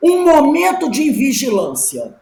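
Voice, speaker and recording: A middle-aged woman teaching a class, telling personal stories with lively emphasis and rhetorical questions. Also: high voice, measured pace, gravelly, echoey room, rough recording. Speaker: class teacher at a spiritist study group.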